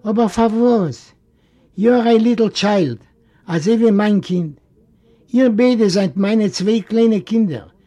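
A fussy, affectionate old uncle coaxes and questions , voiced by a male reader. His voice is raised and mellow. He sounds like a figure from a read-aloud storybook. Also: high voice, slow pace, pitched above the performer's own voice. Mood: coaxing. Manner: coaxing, fussing.

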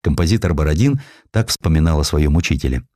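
A man giving an expressive, measured, scripted dramatic narration of history as an audiobook reader. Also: very deep voice, dry recording, studio quality.

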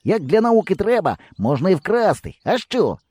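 A man reading an audiobook, voicing an excitable, boastful boy who exclaims and teases his friends. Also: high voice, normal speed, slightly rough, no room sound, pitched above the performer's own voice, full character voice. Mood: excited. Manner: eager, exclaiming, sarcastic.

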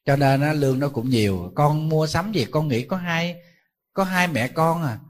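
A man's voice: fairly high pitch, expressive, normal speed, a little hiss or hum. A man, a Buddhist monk giving a sermon, telling stories in a conversational way and throwing rhetorical questions at his listeners.

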